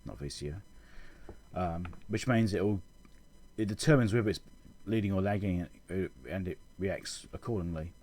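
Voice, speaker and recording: A man giving an informal technical explanation as a channel host, halting and correcting himself as he thinks aloud. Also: low-pitched, darkish tone. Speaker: electronics repair channel host.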